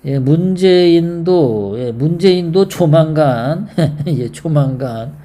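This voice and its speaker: Live stream commentary host; slow delivery, mellow voice, halting, many fillers, rhetorical questions to the audience. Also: medium pitch, expressive. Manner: rambling, poses rhetorical questions to viewers.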